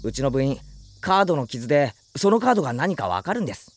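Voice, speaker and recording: A woman's voice: extremely low pitch, very animated, quick pace, full character voice. An actress playing an earnest, easily flustered teenage boy in an anime audio drama, speaking plainly. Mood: apologetic. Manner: plain-spoken, stammering when startled.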